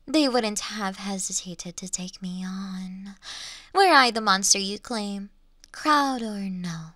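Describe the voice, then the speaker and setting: A woman's voice: medium pitch, slow pace, sharp tone, dry recording, studio quality. A woman playing a refined female monster who toys with a hunter in a Victorian fantasy audio roleplay, speaking in mocking, formal, old-fashioned phrases and often slipping toward a whisper. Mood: wistful, mocking.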